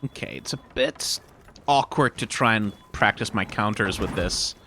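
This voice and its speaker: A man's voice: on the low side, moderate pace, noisy background. A man doing casual gameplay commentary, thinking aloud in a musing, wryly exasperated way. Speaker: video game streamer.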